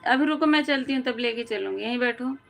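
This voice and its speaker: A woman hosting a casual live stream, chatting with viewers and greeting them by name with devotional greetings, and coaxing her small daughter in a gentle, motherly way. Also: on the high side, fairly quick, gravelly, slight background noise.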